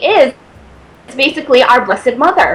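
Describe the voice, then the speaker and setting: A woman's high-pitched voice with an American accent at a moderate pace, over noticeable background noise. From Connecticut. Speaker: angel messenger and medium. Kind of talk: channeled message reading.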